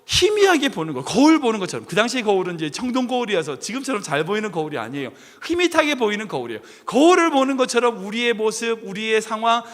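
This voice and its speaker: High bright-voiced male pastor preaching. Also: big-room sound. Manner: storytelling, asks the congregation questions. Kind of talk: sermon.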